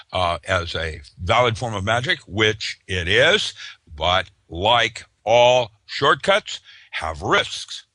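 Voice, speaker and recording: A man's voice: on the low side, pushed and bright, no echo. An older man talking as an interview guest, rambling loosely with lots of "uh" fillers and restarts. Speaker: interview guest, author and physicist. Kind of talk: casual interview talk.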